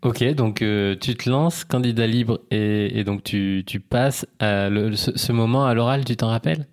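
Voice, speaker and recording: Low-voiced, halting male interviewer. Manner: halting questions with many restarts and fillers. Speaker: podcast host, interviewer. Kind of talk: casual interview.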